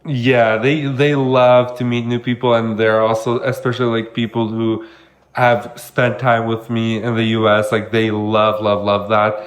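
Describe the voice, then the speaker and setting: A man's voice: fairly low pitch, flat delivery, measured pace. Rambling young man from Kosovo. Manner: friendly, rambling, heavy on like. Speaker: podcast co-host. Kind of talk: casual chat.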